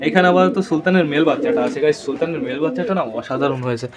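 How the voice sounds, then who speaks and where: A man's voice: fairly high pitch, very fast, a loud crowd. A man in a casual vlog, chatting to his viewers about his pet pigeons from a rooftop and coaxing the birds as he goes. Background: pigeons cooing.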